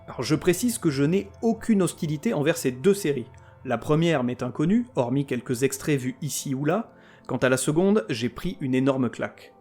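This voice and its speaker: Male podcast host, slightly high voice, sarcastic and foul-mouthed, comic reviewer. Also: lively intonation, moderate pace, a little mellow, faint music behind. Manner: sarcastic, crude ranting with mock outrage. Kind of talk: scripted comic series review.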